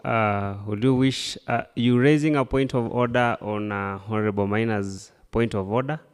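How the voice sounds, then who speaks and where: A man's voice: fairly low pitch, fairly even intonation, normal speed, clean tone. A man with a Kenyan accent presiding as Speaker over a debate in a formal, hesitant manner. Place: large assembly chamber. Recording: echoey hall with long reverb.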